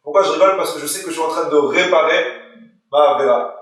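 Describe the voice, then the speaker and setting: A man's voice: on the high side, quick pace, a bit bright. A man, a rabbi, telling a story during a Torah lesson to listeners, voicing the people in it and putting questions to the room. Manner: retells the story with quoted dialogue and questions to listeners. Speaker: rabbi teaching a Torah class. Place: hall or study room with listeners. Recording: very echoey room, voice far from the mic.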